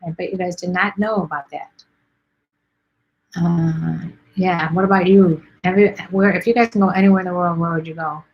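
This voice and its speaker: A woman's voice: fairly low pitch, steady tone, normal speed, lo-fi sound. A middle-aged woman from Chicago hosts a live stream, chatting casually and rambling with lots of ums as she reads viewer comments. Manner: chatty, rambling, many ums and let's sees.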